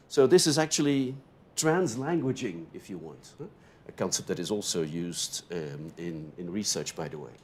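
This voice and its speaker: A university lecturer, a native Dutch speaker, gives an opening lecture to graduate students in Dutch-accented English. His mid-range voice has a breathy edge, and his loudness rises and drops sharply between phrases. He thinks aloud as he goes and keeps checking in with a quick "no?".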